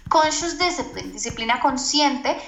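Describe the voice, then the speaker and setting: A woman's voice: high-pitched, animated, a little slow, background noise. A woman psychologist explaining to a podcast host in an earnest teaching tone, often asking for agreement. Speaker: psychologist guest on a parenting podcast. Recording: roomy echoing sound.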